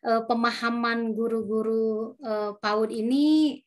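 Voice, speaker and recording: A woman's voice: a little high, steady tone, slow, darkish tone. A woman commenting during an online workshop over a video call, speaking hesitantly with fillers.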